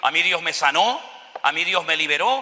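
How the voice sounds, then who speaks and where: A man speaks over noticeable background noise. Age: 60s. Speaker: pastor. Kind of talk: sermon.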